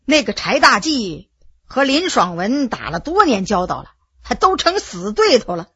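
Shrewd elderly official, quiet lowered voice, measured advice, a woman acting him in a storybook reading with a husky edge. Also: sing-song, dry recording, lo-fi sound, exaggerated voice. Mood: reflective. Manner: measured, advising. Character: elderly stroke-stricken Qing official, shrewd and frank.

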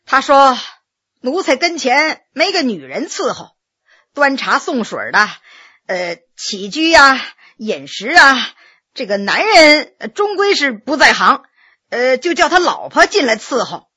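A woman's voice: high-pitched, very animated, a little slow, pushed and bright, slightly rough, full character voice. A woman voicing a humble, nervous male county magistrate who sighs and stammers as he pleads, in a spoken storytelling reading. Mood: confessing.

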